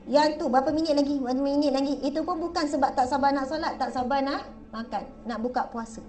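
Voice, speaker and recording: A woman's voice: high-pitched, fast, darkish tone, far from the mic. A woman with a Malaysian Malay accent giving a chatty religious lecture, often asking her audience questions. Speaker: religious speaker.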